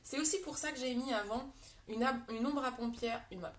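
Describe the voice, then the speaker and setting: A woman's voice: a little high, normal speed, reverberant, far from the mic, a little hiss or hum. A woman giving a casual live makeup tutorial, chatting to viewers by name and explaining each step. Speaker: beauty product seller doing a live makeup demo.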